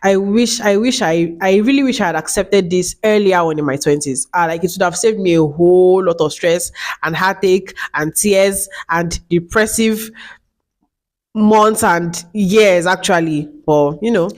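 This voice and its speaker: A woman's voice: lowish voice, unhurried. A woman in her late twenties talking casually to camera as a vlogger, chatty and repeating herself, with many fillers. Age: 20s.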